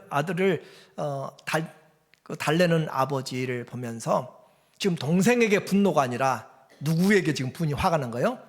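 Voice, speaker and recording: A man's voice: fairly high pitch, long reverb tail. A male pastor giving a sermon in a conversational way, asking the congregation rhetorical questions. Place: church sanctuary.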